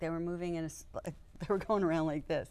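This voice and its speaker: A woman's fairly low voice at a moderate pace with fairly even intonation. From New York City. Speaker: professor of kinesiology, brain injury survivor. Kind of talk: testimony.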